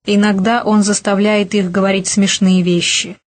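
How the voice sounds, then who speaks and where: A woman voicing a calm, indulgent hospital nurse in an audiobook. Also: medium pitch, normal speed, close to an everyday voice. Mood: amused. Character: patient, tolerant hospital nurse.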